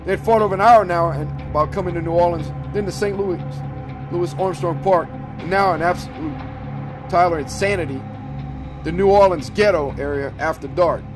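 A man narrating a horror story, dramatic and slowing down for the dark passages. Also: sits high. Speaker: audiobook narrator. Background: background music.

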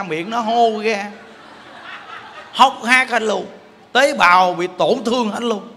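A man giving a Buddhist dharma talk, animated and colloquial, joking with his listeners. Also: very high voice, a little hiss or hum. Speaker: Buddhist monk teacher. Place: temple hall. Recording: long hall reverb.

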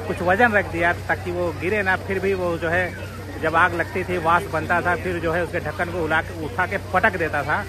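Higher-pitched Indian man explaining things. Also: low-quality recording. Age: middle-aged. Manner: informal, instructive, pointing things out as he goes. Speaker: vlog host. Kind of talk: casual explanatory vlog narration. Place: outdoors in an open parking lot at a public event. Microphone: phone at arm's length.

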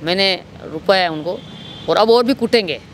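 A man with a Rajasthani accent and a high-pitched voice recounts an incident as an interviewee. He speaks into a reporter's handheld microphone outdoors, with faint street noise behind him. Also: normal speed, fairly bright tone, rough recording. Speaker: local political party worker, interviewee. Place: outdoors in an office compound.

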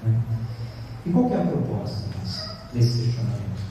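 A man's voice: medium pitch, big pitch swings, moderate pace, dark tone, a little hiss or hum. A Brazilian man in his thirties gives a spiritist lecture at a stand mic, posing rhetorical questions with emphasis. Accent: Brazilian Portuguese. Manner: rhetorical questions, emphatic, gesturing with a paper in hand. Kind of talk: sermon-like lecture. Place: large hall with bare brick wall, indoors. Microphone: stand mic at chest height. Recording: distant echoey hall recording.

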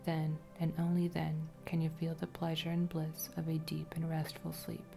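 Waitress hypnotist, played by a woman: coaxing ASMR roleplay, soft mellow breathy delivery, evenly pitched, light music behind. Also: completely flat delivery. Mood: hypnotic, drowsy. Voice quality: soft, breathy, often whispery. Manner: slow, repetitive, soothing, coaxing. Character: friendly waitress turned soothing, commanding hypnotist.

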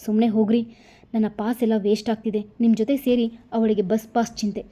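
Brief: woman reading a feisty, pouting young woman in a storybook, fairly high and mellow. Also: brisk, lightly acted. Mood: pouty. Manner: pouting, lively. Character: spirited young woman, pouty and affectionate. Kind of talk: storybook narration.

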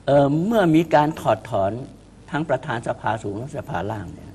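A man's voice: medium pitch, sing-song, fairly quick, creaky, a little mellow, slight background noise. A man speaking as a political commentator on a talk show, emphatic and often repeating words as he starts a point.

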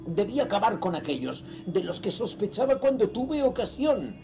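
A man's voice: high voice, sing-song, normal speed, warm tone, faint music behind. An actor playing a ruthless cult leader reading his sinister diary in a horror audio drama, solemn, menacing and theatrical. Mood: bitter, vengeful.

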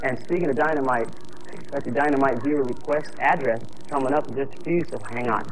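A young man hosting a music video show, with punchy, energetic announcer patter from a studio set. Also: mid-range voice, fast, a little hiss or hum, low-quality recording. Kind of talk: upbeat TV presenter patter. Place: TV studio set, seated in director's chair.

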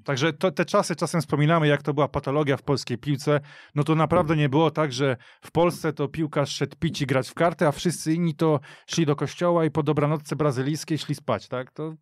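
A man's voice: a little high, steady tone, a little fast, no echo. A man on a radio football panel, opinionated and talkative in casual studio chat. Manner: opinionated, storytelling. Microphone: studio mic.

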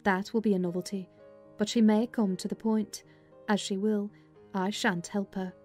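A woman's voice: mid-range voice, flat delivery, moderate pace, warm tone, soft background music, lightly acted. A woman voicing a dry, disapproving female servant in a dramatised classic novel, blunt and sceptical. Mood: dry, sulky. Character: dry, disapproving female servant questioning her young mistress.

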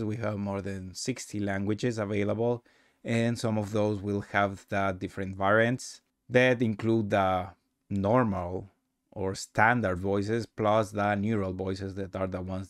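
A man narrating a casual software tutorial with halting, rambling phrasing. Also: fairly low pitch, no room sound, studio quality. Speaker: presenter of a software demo.

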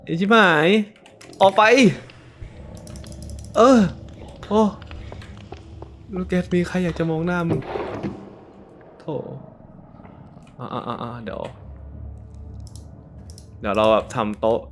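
A young man commentating a horror game for viewers, swearing and yelling in fright as he plays. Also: mid-range voice, lively intonation, takes it slowly, pauses often, a little hiss or hum. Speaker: gaming YouTuber.

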